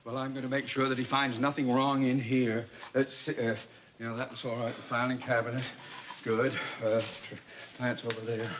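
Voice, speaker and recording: A man's voice: mid-range voice, flat delivery, normal speed, a bit bright, natural voice. An actor playing a pompous, middle-aged bank president in a 1960s sitcom, who sputters and stammers when he gets flustered. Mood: fussy. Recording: dull 1960s TV soundtrack, faint hiss.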